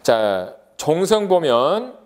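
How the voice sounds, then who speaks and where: A man's voice: on the high side, very animated, drawn-out words, darkish tone. A man giving an exam-prep lecture, asking rhetorical questions and drawing out vowel sounds as examples.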